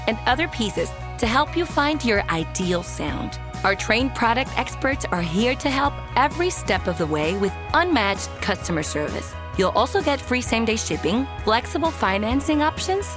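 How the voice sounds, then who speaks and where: A woman reading a scripted promotional advertisement as an announcer. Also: on the high side. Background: music.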